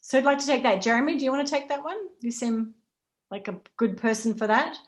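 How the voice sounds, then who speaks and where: A woman's voice: fairly high pitch, fast. Chatty woman moderating a panel.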